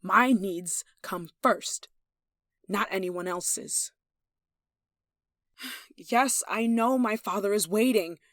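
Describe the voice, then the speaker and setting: A woman's voice: mid-range voice, slow pace, long pauses, fairly bright tone, no room sound. Girl voice acting spoiled possessive noble lady, yandere asmr type, bossy n jealous, super dry close recording. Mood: irritated, haughty. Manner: imperious, indignant, sighing, clipped commands. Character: possessive, haughty young noble, jealous and domineering.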